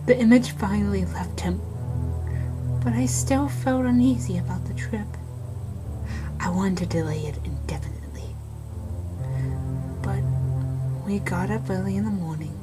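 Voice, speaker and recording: A woman narrator reading a first-person scary story as a scripted narration. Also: lowish voice.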